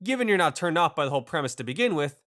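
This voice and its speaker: Man narrating with very lively, swooping pitch. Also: rapid-fire. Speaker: video essayist, reviewer. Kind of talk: scripted narration, video essay commentary. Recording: music bed under the voice. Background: background music.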